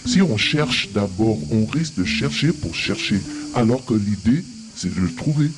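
An actor plays a stubborn market man who argues in circles. His low voice keeps pressing the same point, and music plays clearly behind him. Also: animated, moderate pace, close to an everyday voice, poor audio. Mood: insistent. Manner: insistent, argumentative wordplay. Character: stubborn market man lecturing in circular logic.

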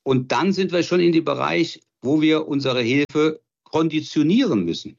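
A man's voice: fairly high pitch, normal speed, vocal fry, dull audio. A man explaining legal arguments emphatically in an interview clip. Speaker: law professor.

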